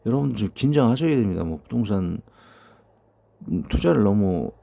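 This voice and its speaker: A man's voice: on the low side, expressive, normal speed, gravelly, mellow. A man in his fifties preaching a sermon, reading out prophecies and commenting on them in a loose, conversational way with many fillers. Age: 50s. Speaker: pastor.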